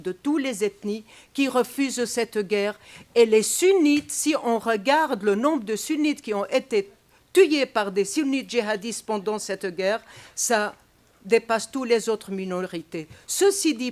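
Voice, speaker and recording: A Syrian-born woman speaking from the audience at a press panel, hesitant with many fillers and growing heated. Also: on the high side. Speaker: audience member. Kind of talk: impassioned statement at a press panel.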